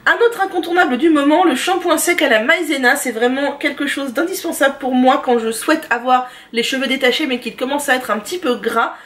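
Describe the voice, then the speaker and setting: Talking over her favorite products from home, a woman with a high, slightly bright voice gives a chatty, enthusiastic review as a beauty and lifestyle vlogger. Filler pauses crop up often, and the mic picks her up from a distance.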